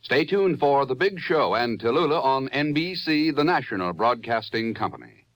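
A man's voice: mid-range voice, expressive, normal speed, fairly bright tone, dry recording. An American man making formal network announcements in a 1950s radio style.

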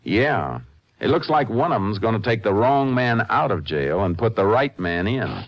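An actor playing a shrewd, steady Texas Ranger with a laconic, folksy manner in a 1950s radio drama. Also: male voice, on the low side, no room sound, dull audio. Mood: calm, probing. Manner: laconic, folksy, unhurried authority. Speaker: lead actor and narrator. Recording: noisy vintage radio recording.

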